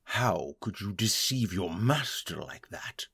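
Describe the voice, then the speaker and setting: Man acting a husky, menacing vampire master. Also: sits low, expressive, slow pace, bright, forceful tone, exaggerated voice. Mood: outraged. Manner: menacing, imperious. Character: arrogant, furious male vampire master named Jasper. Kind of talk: audio drama acting.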